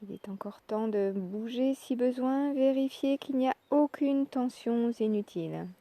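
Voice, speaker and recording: A woman leading a guided yoga relaxation, speaking calmly and in measured short phrases with pauses. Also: a little high, no room sound. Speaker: yoga nidra relaxation instructor. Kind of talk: guided meditation, soft instructional narration.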